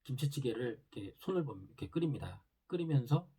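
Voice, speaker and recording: A drama reviewer walks through a drama's plot in an easygoing recap, stringing scenes together loosely with plenty of filler words. His mid-range, medium-pitched voice sounds husky and dark. He's expressive and talks fast.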